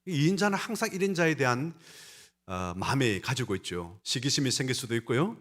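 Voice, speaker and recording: A man's voice: mid-range voice, sing-song, a little fast, a bit bright. A male pastor preaching a sermon and speaking straight to his congregation, with an emphatic delivery that rises and falls. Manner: emphatic, rising and falling delivery; talks to the congregation directly.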